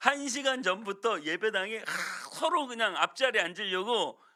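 A man speaks in a raised, projected voice with a bright, sharp tone and a high pitch. His pace is moderate and his intonation lively. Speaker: pastor. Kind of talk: sermon. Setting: church.

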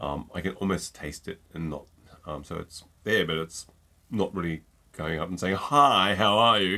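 With an Australian accent, a man speaks in a very deep, low pitch with ordinary variation and a bright, sharp tone. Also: moderate pace. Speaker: drinks reviewer. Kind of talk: casual product review to camera. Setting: home recording with microphone. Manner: hesitant with many fillers.

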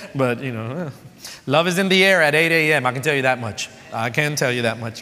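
This man's speech moves at a fairly quick pace with ordinary pitch variation. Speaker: pastor. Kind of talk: sermon. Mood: warm, humorous. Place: church.

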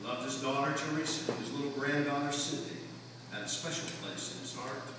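A man is heard through noticeable background noise and strong room echo. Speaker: speaker. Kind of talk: eulogy reading. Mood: solemn, warm. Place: hall. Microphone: camera far.

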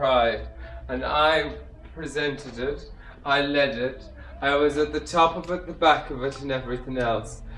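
Music plays in the background as a man speaks. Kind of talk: casual vlog walkthrough. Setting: in a shop. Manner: animated.

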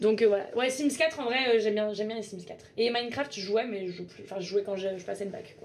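A woman at a very fast pace, hardly any pauses, an animated tone, big swings in loudness and ordinary pitch variation. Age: 20s. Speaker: streamer. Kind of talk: live stream chat. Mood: playful, a bit shy. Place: home room. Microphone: studio mic.

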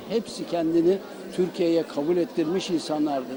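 Over crowd noise in the background, a man speaks with audible room echo. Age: 80s+. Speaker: choir conductor. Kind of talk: interview.

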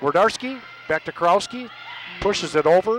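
Speaking fairly slowly with lively intonation, a man with an Upper Midwest accent has a high pitch, recorded dry with no echo and light background noise. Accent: Upper Midwest American. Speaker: sports play-by-play commentator. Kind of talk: live sports commentary. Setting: gymnasium, live broadcast. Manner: upbeat, friendly. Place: hall.

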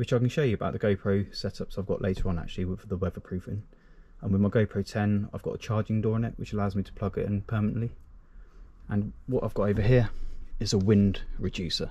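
A man's fairly low, somewhat breathy voice with a dark, mellow tone, fairly even intonation and a very fast pace. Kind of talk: casual gear walkaround. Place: garden. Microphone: camera far.

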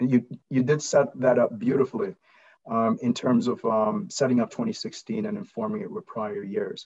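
A man's voice sits at a fairly high pitch with very wide pitch swings. The background is quiet. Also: moderate pace. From Jamaica (born in the Bahamas). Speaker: moderator, social worker; moderator. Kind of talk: interview. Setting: video call. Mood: warm, appreciative. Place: home room. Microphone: video call.

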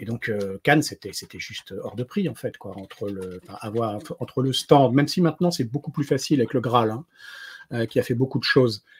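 A man speaks in a somewhat breathy voice with lively intonation and hardly any pauses. His loudness swings widely against a quiet background. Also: moderate pace. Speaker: tabletop RPG streamer. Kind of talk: casual live-stream chat. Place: home room. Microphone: studio mic.

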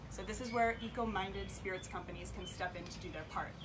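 Amid noticeable background noise, a woman talks at a very fast pace and a medium pitch. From New York. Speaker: competing bartender. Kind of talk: competition presentation. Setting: outdoors. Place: bar. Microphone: camera far.

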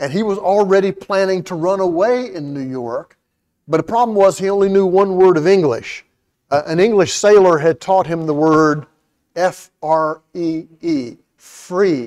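A man with a Southern US accent, high pitch, ordinary pitch variation and a fairly slow pace, over a quiet background. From US South. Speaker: history professor. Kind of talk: lecture. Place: meeting room.

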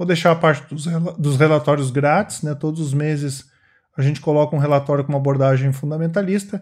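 Somewhat breathy and fairly high, a man's voice runs at a fairly quick pace with fairly even intonation. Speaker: investment channel presenter. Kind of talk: educational video monologue. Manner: stammering.

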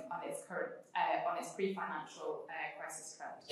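A woman speaks in a room with strong echo. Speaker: policy researcher. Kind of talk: presentation. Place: hall.

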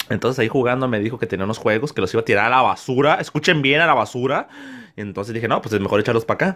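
A man talks very fast with a Mexican accent. His tone is bright and sharp, with ordinary pitch variation. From Mexico. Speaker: YouTuber and video game collector; YouTuber. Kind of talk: casual vlog monologue. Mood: joking, playful. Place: home room. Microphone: phone near.

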